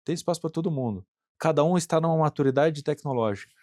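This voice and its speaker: A man's voice: fairly high pitch, quick pace, dark tone, no room sound, studio quality. A middle-aged Brazilian man, an industrial plant manager, answering interview questions earnestly and thinking aloud, often checking in with tag questions and repeating words. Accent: Brazilian Portuguese.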